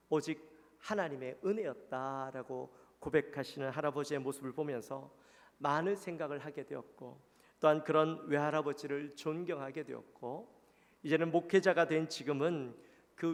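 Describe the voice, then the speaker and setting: Gyeongsang accented pastor guy preaching, bit high and gravelly, talks to the congregation, long church reverb. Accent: Gyeongsang Korean. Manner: earnest, conversational preaching with questions to the congregation. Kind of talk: sermon. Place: church sanctuary.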